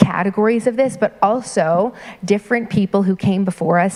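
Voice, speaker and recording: A woman with an American accent talks with fairly even intonation over noticeable background noise. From US, Denver, Colorado. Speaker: rabbi. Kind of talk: lecture Q&A.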